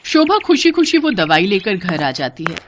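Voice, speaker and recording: Expressive woman storyteller with lively pitch. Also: moderate pace. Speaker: story narrator.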